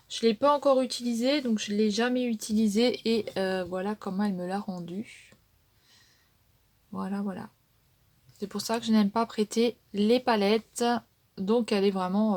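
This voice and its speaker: A female beauty vlogger casually shows off her makeup palettes, chatting hesitantly with frequent fillers and trailing tags. Her voice is medium in pitch.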